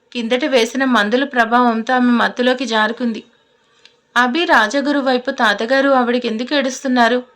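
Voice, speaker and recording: A woman narrating a scripted audio love story in a steady read-aloud manner. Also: on the high side.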